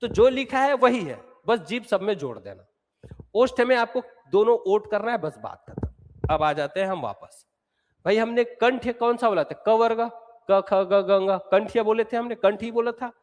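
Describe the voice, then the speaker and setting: A man's voice: high-pitched, expressive, moderate pace. A male teacher giving an exam-prep lecture, explaining step by step and repeating sounds aloud to drill them. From Chhattisgarh, India. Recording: long hall reverb.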